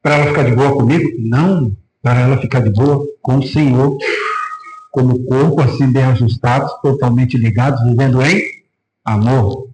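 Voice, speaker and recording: A man with a Brazilian Portuguese accent, a pastor preaching a sermon in an animated way. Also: mid-range voice, moderate pace. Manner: animated preaching, acting out quoted voices. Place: church hall. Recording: echoey church room.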